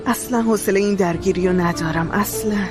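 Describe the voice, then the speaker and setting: A woman's voice: mid-range voice, natural voice. An actress dubbing a firm but worried woman in charge, uneasy about a family conflict. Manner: firm, troubled. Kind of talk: Persian drama dubbing. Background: music score.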